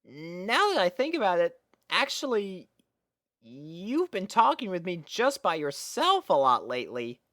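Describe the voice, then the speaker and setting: A woman's voice: on the low side, big pitch swings, a little slow, a bit bright, no room sound, clean studio sound, voice pushed up. A woman voicing a sweet, innocent young male dragon, earnest and a little hesitant, in a storybook reading. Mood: curious.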